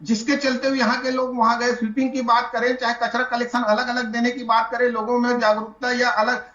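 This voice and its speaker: A man's voice: extremely high pitch, little pitch movement, fairly quick, fairly bright tone. A man from Chhattisgarh arguing his case as a panelist on a televised political debate, earnest and prone to restarts. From Chhattisgarh, India. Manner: earnest and argumentative, with frequent restarts. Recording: echoey, dull lo-fi sound.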